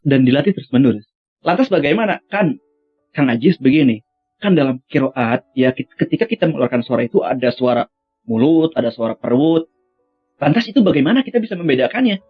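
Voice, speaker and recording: This young Quran recitation vocal coach keeps his lesson relaxed and friendly, calling viewers his friends and singing melismatic chant examples. He has a high-leaning, slightly breathy voice, captured with dull audio.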